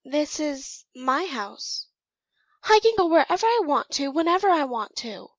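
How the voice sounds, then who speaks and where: A very high, slightly muffled young woman's voice, performed by an actress for an audio drama. She is an impatient clone, curt and defiant, with a threatening edge. The recording is dull and lo-fi. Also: very animated, a little slow, exaggerated voice. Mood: cold, defiant.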